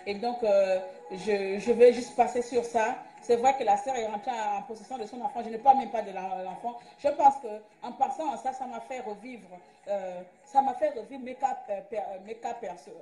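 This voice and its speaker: A woman talks to her livestream audience, agitated and impulsive and struggling to keep control. Her voice is mellow and fairly high. The room is echoey, with faint music underneath. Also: normal speed, few pauses. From Gabon. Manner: agitated, admits she is angry and impulsive. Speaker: livestream host. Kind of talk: casual live-stream talk.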